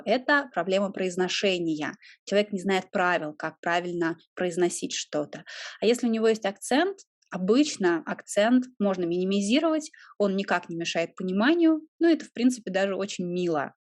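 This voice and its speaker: A woman's voice: medium pitch, a little mellow, dry recording. Thoughtful woman explaining, dry close sound. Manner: thoughtful, explanatory, with frequent hesitations. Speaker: guest, Russian teacher. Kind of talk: conversational interview.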